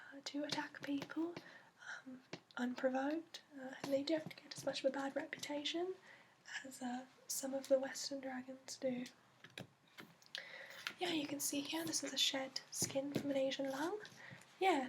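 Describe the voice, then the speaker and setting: Soft breathy high-voiced lady doing asmr roleplay w a fake accent, half whispering, lots of pauses, bit of background hiss. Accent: put-on accent. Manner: gentle, halting, unhurried explaining with many pauses. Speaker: ASMR roleplay host playing a dragon expert. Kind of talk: softly spoken ASMR roleplay, explaining like a guide.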